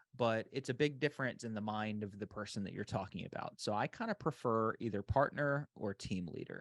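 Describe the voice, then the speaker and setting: Against a quiet background, a man talks at a fairly quick pace with hardly any pauses, using a medium pitch and ordinary pitch variation. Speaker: sales coach. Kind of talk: coaching feedback on a role play. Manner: hesitant, many fillers.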